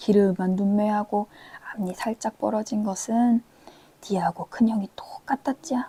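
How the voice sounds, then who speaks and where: Dry, close sound with no echo carries a woman's fairly high voice. She speaks at a fairly slow pace with ordinary pitch variation. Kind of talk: audiobook reading.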